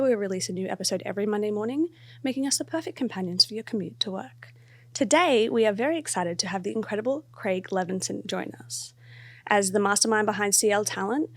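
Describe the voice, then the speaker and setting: A woman's voice: medium pitch, no room sound. A woman hosting a podcast, reading the intro and interviewing a guest in a friendly way, laughing along often. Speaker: podcast host.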